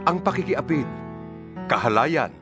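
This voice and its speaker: Male actor as apostle, Filipino accent, solemn and earnest scripture exhortation, very expressive intonation, music bed. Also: on the high side. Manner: solemn, emphatic, measured exhortation. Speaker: Bible reader voicing an apostle's letter. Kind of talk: dramatized scripture reading.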